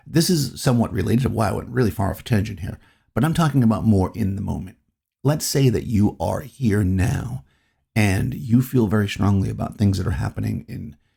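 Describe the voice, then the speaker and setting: Fairly quick speech with a dark, mellow tone and vocal fry on a very clean recording with a silent background. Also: man, fairly low pitch for a man. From New England. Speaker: podcast host and photographer. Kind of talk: solo podcast monologue. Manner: casual, conversational with fillers.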